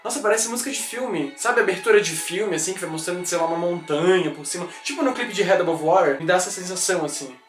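A man's voice: sits high, quick pace, few pauses, a bit bright. A man hosting a reaction video, gushing and exclaiming over songs as he listens. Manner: gushing, exclamatory, easily thrilled. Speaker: YouTube reaction host. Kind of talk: excited album reaction. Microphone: computer setup at home. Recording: echoey room with faint music. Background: music playing faintly.

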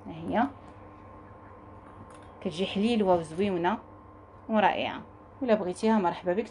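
A woman with a Moroccan accent giving a live sales pitch from her jewelry shop, coaxing viewers and repeating herself as she talks to her staff. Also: slight background noise. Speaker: jewelry seller.

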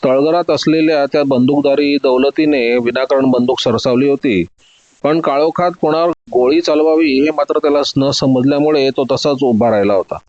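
A man narrating a detective story in a steady, dramatic reading. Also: medium pitch, moderate pace, dry recording, muffled recording.

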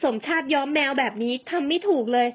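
Woman doing a catty middle-aged gossip, sharp-tongued and high, muffled recording. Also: fast talker, lightly acted. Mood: scornful. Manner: teasing, judgmental.

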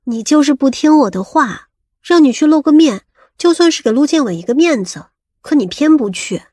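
A woman playing a sharp-tongued, coquettish lover in an audiobook, pouting and reproachful. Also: high voice, lively intonation, moderate pace, dry recording, studio quality. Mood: scolding.

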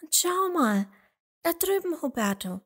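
A woman voicing a gentle, sweet little female sheep in a children's storybook, full of wonder. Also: high voice, sing-song, a little slow, voice pushed up. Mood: delighted.

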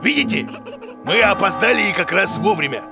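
Bumbling monster teacher for kids' cartoon: blustery, exclaiming, very animated, music underneath. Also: male voice, sits high, a little fast. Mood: excited. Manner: blustery, exclaiming, mangles words. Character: bumbling, boastful big monster who plays teacher, male. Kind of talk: children's cartoon voice acting.

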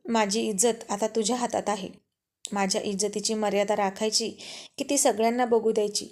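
A woman's voice: medium pitch, little pitch movement, brisk, a little mellow, lightly acted. A woman voicing a headstrong, defiant young woman who argues and pleads in a told love story.

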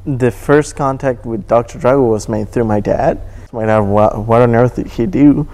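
An Argentine student viola player in his twenties, a native Spanish speaker with an Argentine accent, talks casually in an interview inside an auditorium. His voice is mid-range and dark, and he speaks at a moderate pace.

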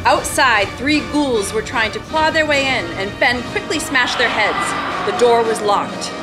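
A woman's voice: fairly high pitch, measured pace, over loud music. A woman narrating a radio play in a dramatic, scripted reading.

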